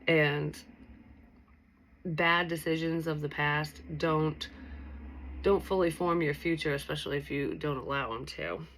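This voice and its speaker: Low voice woman doing tarot, nasally from allergies, rambly with lots of likes and ums. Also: fairly even intonation, a little slow, long pauses, fairly bright tone, a little hiss or hum, rough recording. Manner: rambling, many fillers like "like" and "um". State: stuffy with allergies. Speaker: tarot reader. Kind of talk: casual tarot reading for viewers.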